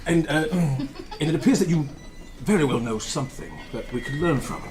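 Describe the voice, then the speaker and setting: A man at a game table flounders through an overly formal speech in character, stumbling and repeating himself. His voice sits slightly high. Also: lively intonation, moderate pace. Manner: flustered, overly formal rambling.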